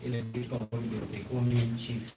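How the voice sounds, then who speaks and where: A man's voice: medium pitch, monotone, fairly quick, heavy background noise. A man, a student leader, formally introducing himself.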